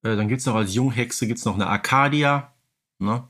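A man's voice: medium pitch, moderate pace, fairly bright tone. Man explaining things as podcast co-host. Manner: explanatory, often seeks agreement with tag questions. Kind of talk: casual podcast discussion of an audio drama series.

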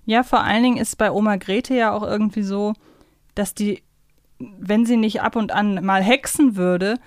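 A woman's voice: mid-range voice, fairly even intonation, moderate pace, dry recording, clean studio sound. A woman talking casually and analytically as a podcast co-host, explaining in loose, chained sentences. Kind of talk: casual conversational fan podcast talk.

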